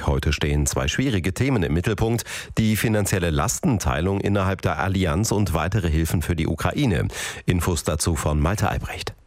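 A man reading the national news on the radio in a measured, formal manner. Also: deep voice, dry recording, studio quality. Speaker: radio newsreader.

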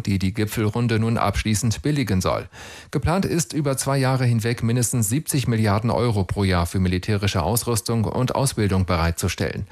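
Low-voiced male news correspondent. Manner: steady, formal reporting. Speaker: radio correspondent. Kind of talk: scripted news report.

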